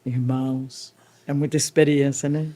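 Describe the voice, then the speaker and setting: Middle-aged woman, emotional church testimony guest, lively and expressive. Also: normal speed. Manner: animated, swings widely in pitch, leans on "né" tag questions. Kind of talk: emotional faith testimony storytelling.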